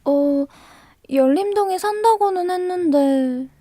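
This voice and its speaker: A woman's voice: very high voice, takes it slowly, dark tone, dry recording, clean studio sound. A woman playing a guarded, earnest young female student in a radio drama, speaking and narrating a little hesitantly. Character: guarded, soft-natured young female student with a hidden past. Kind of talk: radio drama dialogue and first-person narration.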